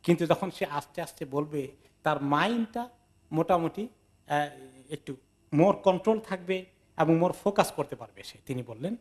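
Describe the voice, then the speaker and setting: A man's voice: fairly high pitch, expressive, moderate pace, pauses often, darkish tone. A man explaining Quran commentary in a conversational sermon, acting out little dialogues and mixing in English words. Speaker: Islamic teacher giving Quran tafsir. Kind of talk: sermon-style lecture with acted anecdotes.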